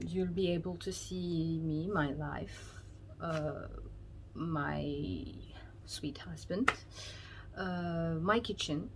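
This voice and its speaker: A woman vlogging casually to camera, speaking in a hesitant, halting way. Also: deep voice, a little mellow, a little hiss or hum. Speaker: vlogger introducing a new channel.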